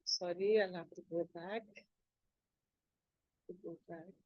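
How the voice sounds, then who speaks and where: A woman teacher giving a slide presentation on English words, explaining slowly, spelling words out and pausing on fillers. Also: on the low side, steady tone, no room sound, highs cut off.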